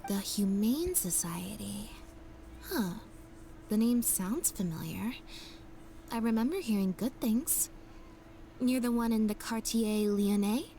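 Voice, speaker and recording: Calm, analytical sleuth. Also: female voice, medium pitch, takes it slowly, vocal fry, pauses often, slight background noise. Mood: thoughtful. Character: calm, observant young female sleuth. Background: game music.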